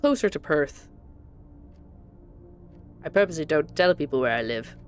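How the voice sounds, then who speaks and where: A chatty woman from Scotland talks casually while live-streaming a game, rambling and repeatedly interrupting herself. Her low-pitched voice is expressive and unhurried, with faint music behind her.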